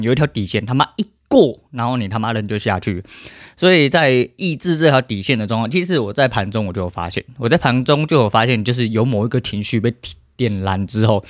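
Fast, foul-mouthed Taiwanese man ranting. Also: medium pitch, dry recording, studio quality. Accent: Taiwanese Mandarin. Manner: profane, ranting, heated. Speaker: podcast host. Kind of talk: solo podcast rant.

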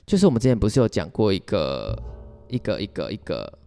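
A man's voice: fairly low pitch, wildly swooping pitch, fast, gravelly, dark tone, soft background music. A man with a Taiwanese Mandarin accent chatting casually as a podcast co-host and telling personal stories in a giggly, rambling way. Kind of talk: casual chat, personal storytelling. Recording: reverberant, hall-like sound.

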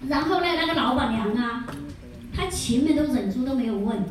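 A woman, a skincare consultant telling lively stories at a seminar, chatty and animated, laughing often and quizzing her audience. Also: on the high side, brisk, a little hiss or hum. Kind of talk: lively storytelling lecture. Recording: very echoey room from far off.

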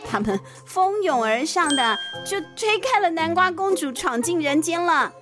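A woman with a Taiwanese Mandarin accent, hosting and narrating children's bedtime stories in an expressive, chatty way with explanatory asides. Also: very high-pitched, moderate pace, loud music behind the voice. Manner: expressive, chatty explaining with sentence-end particles. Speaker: podcast host and storyteller, a mother.

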